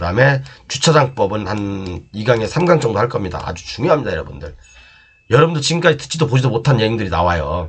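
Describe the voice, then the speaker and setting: A man talks at a fairly quick clip, his somewhat breathy voice making very wide pitch swings. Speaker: real estate auction lecturer. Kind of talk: online lecture. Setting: home study. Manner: casual, conversational with filler words.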